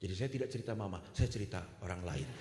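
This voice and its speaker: A man, a Catholic priest, giving a sermon with animated storytelling and acted-out dialogue. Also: lowish voice, rapid-fire, echoey room, in a large hall, noisy background.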